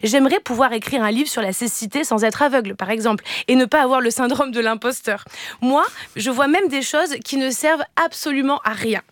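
A woman delivering a comic column into a studio microphone, playful and theatrical. Her voice sits high and bright in pitch, and the sound is dry and close. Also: no echo. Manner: playful, theatrical, quick jokes. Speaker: resident comedian columnist. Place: radio studio.

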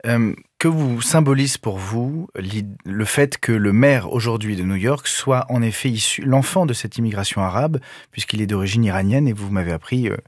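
A man's voice: on the low side, moderate pace, hardly any pauses, dry recording, studio quality. A man hosting a radio interview, asking courteous, attentive questions. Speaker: radio host.

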